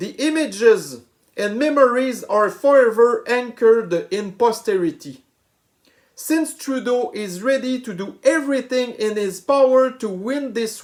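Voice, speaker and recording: The pace stays fairly slow. A non-native accent is heard. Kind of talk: political statement read to camera.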